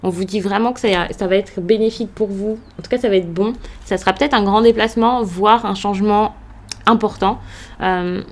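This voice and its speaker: A woman's voice: medium pitch, fairly even intonation, fairly quick. French woman doing a hesitant tarot reading. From France. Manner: hesitant, many fillers and restarts, reassuring. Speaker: tarot card reader. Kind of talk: casual tarot reading to camera.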